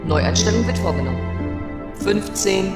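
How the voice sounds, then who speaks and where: A woman's voice: medium pitch, animated, normal speed, close to an everyday voice. A woman playing a snippy female bomb hologram that makes formal machine announcements in a comedy radio play. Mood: coolly official. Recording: echoing voice under loud music.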